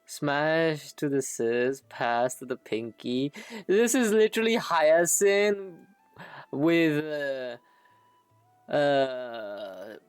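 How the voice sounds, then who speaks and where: A woman streamer chats casually with her viewers while reacting to a game. She talks slowly and offhandedly, in a laid-back manner. The sound is close and dry. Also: deep voice, clear, resonant tone, no echo, faint music behind. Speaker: livestreamer.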